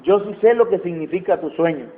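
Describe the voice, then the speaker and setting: A man's voice: sits high, brisk, voice pushed down, lightly acted. A Mexican man playing a young boy who earnestly explains things to his father. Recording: tinny phone-like sound.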